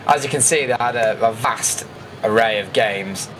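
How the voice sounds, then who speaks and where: A man's voice: medium pitch, moderate pace, fairly bright tone, a little hiss or hum. A man with a British accent giving a chatty, informal voice-over commentary as a vlogger recapping an event. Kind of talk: casual voice-over commentary on footage.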